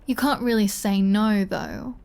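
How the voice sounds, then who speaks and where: A woman's voice: mid-range voice, a little slow, vocal fry, darkish tone. A woman playing a flirty, sardonic female vampire in an intimate ASMR roleplay, with a teasing, dry and bossy manner.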